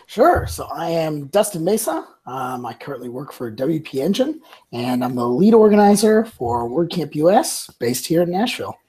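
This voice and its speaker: A man, a guest on a casual panel chat, telling a story in a relaxed way with fillers. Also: on the high side, moderate pace, hardly any pauses, slightly rough. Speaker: guest, lead organizer.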